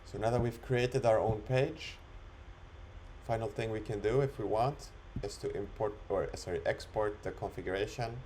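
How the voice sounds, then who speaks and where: A man talking through an unscripted screen-recorded software demo, explaining it step by step in an instructional way. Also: lowish voice, normal speed, slight background noise. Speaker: software demonstrator.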